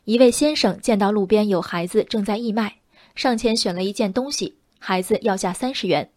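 A woman reading a scripted radio commentary with measured, reflective delivery. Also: medium pitch, darkish tone. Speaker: commentary host.

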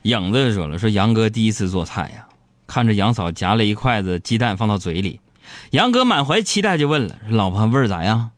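A man hosting, telling listener jokes in a comic storytelling style, animated and quick to laugh at his own punchlines. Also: lowish voice. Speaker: host reading listener jokes.

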